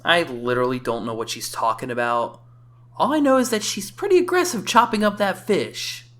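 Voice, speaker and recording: A man's voice: fairly high pitch, lively intonation, normal speed, bright, forceful tone. A man giving scripted comedic commentary as a game reviewer, wry and sarcastic.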